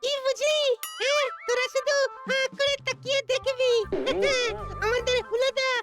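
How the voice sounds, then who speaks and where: Extremely squeaky taunting little sidekick. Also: female voice, fairly even intonation, measured pace, a bit bright, faint music behind, full character voice. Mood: gloating. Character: tiny gloating child sidekick, taunting and giggly.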